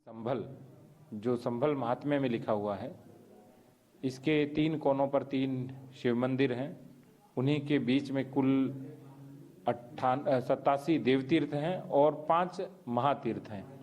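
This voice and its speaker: A male official gives an explanatory statement to the press. His voice is mid-pitched and mellow, his phrasing measured and formal. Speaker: local government official.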